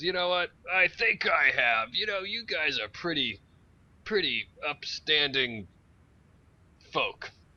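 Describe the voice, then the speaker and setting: Putting on a raspy character voice, a man speaks at a high pitch and a fairly slow pace, with very wide pitch swings and long, frequent pauses. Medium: actual play. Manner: folksy, reminiscing.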